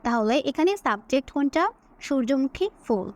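A woman with a Bengali accent teaching English, slowly dictating phrases word by word and explaining them, asking herself questions and answering them. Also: sits high, lively intonation, darkish tone. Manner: asks and answers her own questions. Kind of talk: slow dictation-style English lesson.

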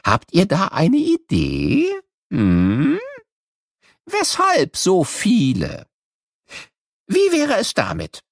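An eccentric, jokey old male professor for a children's audio play. The voice sits high and leaps about, playful and teasing as it poses questions. The sound is dry and close. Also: wildly swooping pitch, drawn-out words, vocal fry, long pauses, no room sound, exaggerated voice.

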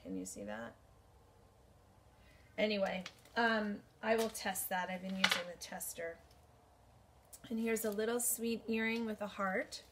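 Slow-talking woman chatting over a jewelry haul. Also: mid-range voice, expressive, heavy background noise. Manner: unhurried, thinking aloud with many ums. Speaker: vintage jewelry reseller. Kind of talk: casual show-and-tell haul video. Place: bedroom, indoors. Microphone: camera at desk distance.

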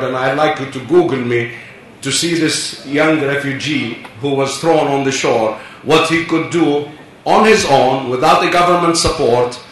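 A man's voice: medium pitch, a bit bright. A man in his seventies from Palestine, speaking earnestly and insistently on a conference panel. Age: 70s. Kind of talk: earnest personal speech. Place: large conference hall. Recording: echoey hall, distant mic, faint hiss.

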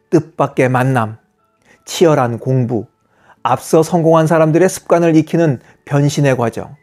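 A man in his fifties, a channel host, reading scripted voice-over narration in a measured, earnest, advice-giving way. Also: a little high, darkish tone.

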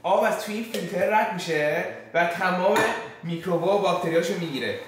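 Casual male vlogger, slightly high voice, very reverberant indoor sound. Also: noisy background. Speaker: vlog guest showing his camping gear. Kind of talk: casual chat, showing items to camera. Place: bright hard-walled kitchen indoors. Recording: very echoey room, music behind.

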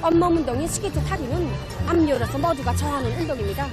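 A woman's voice: high voice, racing. A woman with a North Korean accent giving a prepared interview statement as a rink staff member. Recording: loud music, outdoor urban ambience.

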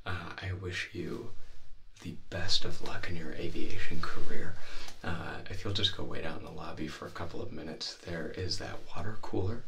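A man in his twenties in a soft-spoken, often whispering ASMR medical roleplay, playing a reassuring doctor. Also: sits low, steady tone, normal speed, creaky, a little hiss or hum.

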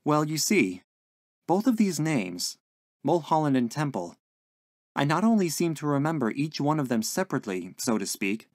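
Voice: mid-range voice, big pitch swings, moderate pace, darkish tone, dry recording, studio quality, pitched above the performer's own voice. A narrator voicing a polite, earnest young man in a story, hesitant and puzzled as he searches for his words. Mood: hesitant, searching. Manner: hesitant, searching, well-mannered.

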